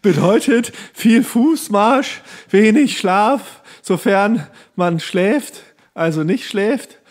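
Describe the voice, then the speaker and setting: A man playing an anxious schoolboy who slowly and haltingly reads out a report in a comic podcast skit. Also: high voice, animated, pitched above the performer's own voice. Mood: nervous, strained. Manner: slow, halting recital. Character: anxious schoolboy reading a report he doesn't understand.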